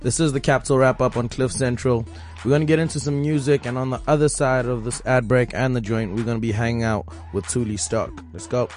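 Slangy South African radio host, music underneath. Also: male voice, mid-range voice, steady tone, brisk, few pauses, darkish tone. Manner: hyped, slangy, playful. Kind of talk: casual hip-hop radio chat. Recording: music playing behind.

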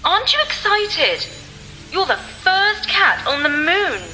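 Man putting on an excitable, high-pitched teenage girl. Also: slow, soft background music, exaggerated voice, low-quality recording. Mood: excited. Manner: gushing, exclamatory. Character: excitable, chirpy teenage girl space tourist.

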